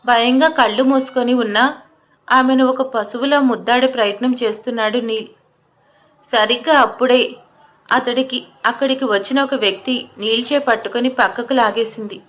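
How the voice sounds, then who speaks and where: A woman's voice: on the high side, moderate pace. A woman narrating a dramatic audio love story and voicing its characters' lines herself. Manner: expressive, voices the characters' lines.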